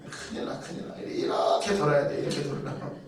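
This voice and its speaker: A man preaching a sermon in a chatty way, asking rhetorical questions and acting out people's inner thoughts. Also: a little fast. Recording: very echoey room, heard from a distance.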